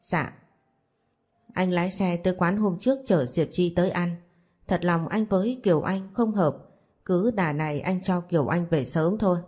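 A woman narrating a romance story in a steady, even reading. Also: fairly low pitch, normal speed, slightly rough.

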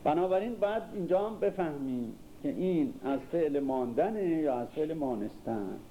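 An older man lectures a class in a very dark, mellow voice. He recites lines of classical verse, then unpacks them in relaxed everyday speech and puts questions to the room. A faint hiss runs beneath the recording. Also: on the high side, poor audio. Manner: reads verses, then explains them in casual speech and quizzes listeners. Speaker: literature teacher. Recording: faint background noise.

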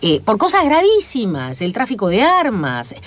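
A woman from Chile with a Chilean Spanish accent, a guest in a radio studio interview, talking in a measured, lecturing way full of fillers. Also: medium pitch, wildly swooping pitch, soft background music. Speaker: guest, academic commentator. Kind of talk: radio interview, analytical talk.

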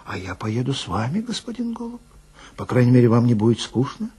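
A man's voice: medium pitch, huge pitch swings, brisk, dark tone, breathy edge, heavily acted. A man playing a polite, plaintive swindler in his fifties, obsequious and self-righteous, in a dramatic monologue. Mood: polite pleading. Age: 50s. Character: polite, plaintive 52-year-old male marriage swindler with dignified airs. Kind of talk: dramatic monologue, character dialogue.

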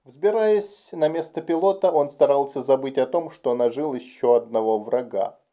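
A man narrating a science fiction audiobook in a calm, even storytelling manner. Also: medium pitch, moderate pace. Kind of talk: amateur audiobook reading. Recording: dull home recording.

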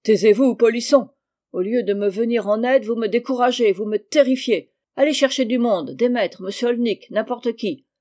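Woman doing a bullying schoolmaster, loud, blustering, mellow tone. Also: fairly high pitch, moderate pace, lightly acted. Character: stern bullying male schoolmaster. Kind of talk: audiobook reading.

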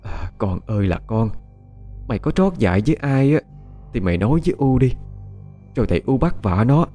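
A man's voice: medium pitch, animated, a little fast, warm tone, soft background music, lightly acted. A man voicing a distraught older village mother in an audio story, pleading through tears. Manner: tearful, pleading lament.

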